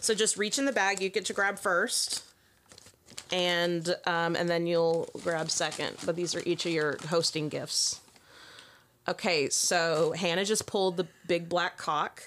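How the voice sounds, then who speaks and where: At a fairly slow pace, a woman with a fairly low pitch uses a normal speaking voice, with fairly even intonation and very even loudness. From Oklahoma. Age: 30s. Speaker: mental health worker. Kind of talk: casual chat.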